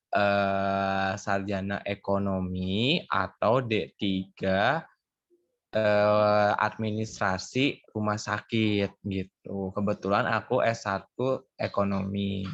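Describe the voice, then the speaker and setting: A man's voice: fairly low pitch, no echo. A young man with a slight Sundanese accent, a hospital billing staffer explaining his job casually on a video call with many fillers. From West Java. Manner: relaxed, informal, frequent fillers. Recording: dull, muffled video call audio.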